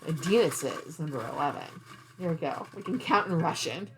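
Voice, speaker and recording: A woman's voice: sits low, brisk, background noise. A woman hosting a craft vlog, chatting casually in a rambling way and thinking aloud as she goes. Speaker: cross-stitch vlog host. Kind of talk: casual rambling chat to camera.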